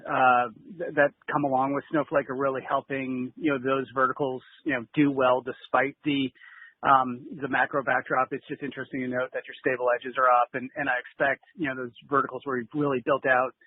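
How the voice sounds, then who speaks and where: A man's voice: mid-range voice, level tone, a little fast, husky, no room sound. A man speaking as a financial analyst on an earnings call, asking a rambling, informal question. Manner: rambling, peppered with "you know". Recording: dry, tinny phone line.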